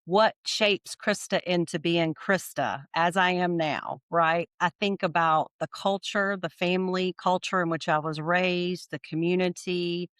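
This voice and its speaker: Low-voiced woman, thoughtful interview guest. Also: steady tone, measured pace, hardly any pauses, smooth, no echo, clean studio sound. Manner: thoughtful, warm, frequent "right?" tags. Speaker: podcast guest. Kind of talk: reflective interview answers.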